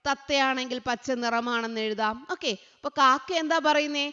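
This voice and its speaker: A woman tutor, teaching young children, asking questions and answering them herself, sometimes chanting lines slowly. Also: sits high, bright, forceful tone, smooth. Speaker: online tutor. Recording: dull sound with a long echo.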